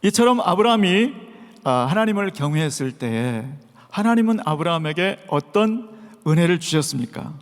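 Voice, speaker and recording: A man preaching a Sunday sermon as pastor, posing rhetorical questions and acting out shouted calls. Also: high voice, lively intonation, moderate pace. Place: church sanctuary. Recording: long reverb of a large church hall.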